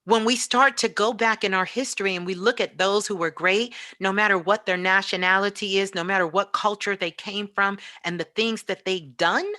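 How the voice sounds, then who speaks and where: A woman's voice: mid-range voice, fairly even intonation, normal speed, few pauses, sharp tone. A woman giving a motivational spiritual talk in an emphatic, preaching way, repeating phrases for weight. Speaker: guest spiritual teacher.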